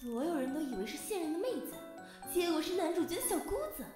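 A woman playing an excitable young online fan in an audio drama, gushing and dramatic. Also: extremely high pitch, fast talker. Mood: wry, dramatic. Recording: roomy, with music behind.

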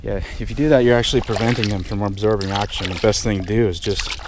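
A man's voice: fairly low pitch, fast talker. A middle-aged man from the United States, a fishing vlogger talking casually on a rocky lake shore while he fishes. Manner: relaxed, explanatory, excited when hooking fish. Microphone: camera mic, often head-mounted. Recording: outdoor wind noise.

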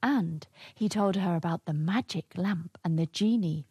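A woman narrating a children's story in English with a clear, teacherly manner. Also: on the low side, measured pace, darkish tone, dry recording, studio quality.

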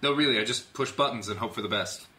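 A man's voice: mid-range voice, quick pace, pushed and bright, close to an everyday voice. A man playing a flippant, flustered space adventurer in a cartoon table read, theatrical and jittery. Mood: flippant bravado. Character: young cowardly bragging male space adventurer, flippant, flustered. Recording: noisy informal room recording.

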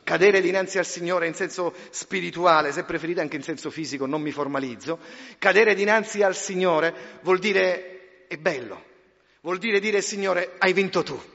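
A man preaching a sermon, swinging between hushed low passages and loud emphatic rising appeals, with repetitive rhetorical build-ups. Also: normal speed, vocal fry. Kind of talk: Pentecostal-style sermon. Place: church hall. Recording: dull reverberant church hall recording.

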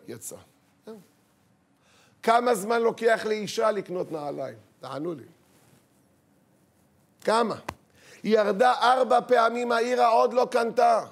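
Man, rabbi, lively sermon, high voice, rhetorical questions, acts out quoted voices. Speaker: rabbi giving a talk.

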